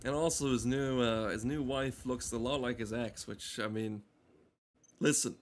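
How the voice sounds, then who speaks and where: Male streamer, mid-pitched, loose and sweary, riffing irreverently over cutscenes in a casual ramble. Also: normal speed, slight background noise. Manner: profane, irreverent riffing with dark humour. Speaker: gameplay streamer.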